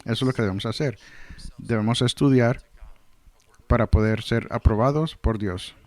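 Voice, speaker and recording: A man's voice: medium pitch, normal speed, no echo. Earnest male preacher, dry close sound. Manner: earnest, explanatory, reads scripture then comments. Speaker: Spanish translator of a pastor's sermon. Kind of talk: verse-by-verse sermon teaching.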